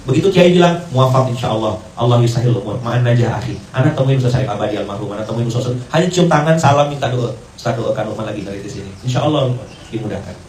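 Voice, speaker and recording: Fast-talking man preaching in a roomy space. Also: mid-range voice, a little mellow, a little hiss or hum. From Indonesia. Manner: conversational, mixes Arabic and English phrases, acts out quoted dialogue. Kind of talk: morning sermon with storytelling. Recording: roomy, distant mic with faint ambience.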